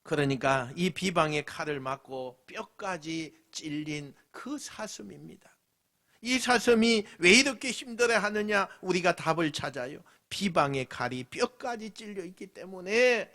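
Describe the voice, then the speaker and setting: A man with a Busan accent preaching a sermon as pastor, dramatic, swinging from loud lines to whispers and acting out mocking voices. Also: sits high, animated, measured pace. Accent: Busan Gyeongsang dialect. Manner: acts out mocking voices of scoffers.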